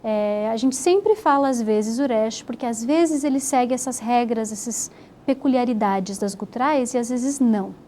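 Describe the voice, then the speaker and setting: Woman teacher, patient and explanatory; somewhat high, soft mellow timbre. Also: slight background noise. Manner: patient, explanatory, spells out syllables slowly. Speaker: Hebrew teacher. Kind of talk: recorded grammar lesson.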